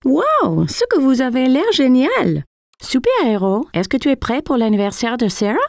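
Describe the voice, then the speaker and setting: A woman playing a cheerful, encouraging young mother in a children's cartoon, gentle and full of exclamations. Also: high voice, sing-song, normal speed, gravelly, no room sound, studio quality, heavily acted. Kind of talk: children's cartoon dub acting. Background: children's music.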